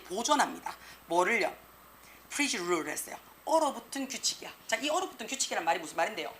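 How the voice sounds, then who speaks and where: A woman English teacher giving an exam prep lecture, lively and slangy, peppering students with rhetorical questions. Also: medium pitch, a little hiss or hum. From South Korea.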